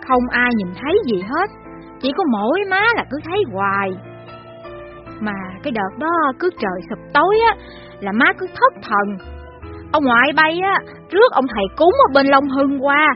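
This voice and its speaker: A woman plays a plain-spoken mother with a Southern Vietnamese accent, telling her children old ghost stories in an earnest way. Her voice is fairly high. The recording is a little dull, with soft music behind it. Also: lively intonation, normal speed. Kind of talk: audio drama storytelling.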